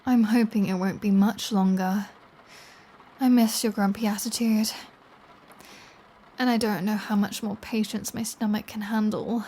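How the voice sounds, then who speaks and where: A woman's voice: medium pitch, steady tone, warm tone, lightly acted. A woman playing a flirty, taunting, predatory vampire in an intimate audio roleplay, with a teasing, sardonic delivery. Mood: impatient, fond. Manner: slow, teasing, sardonic, casually profane.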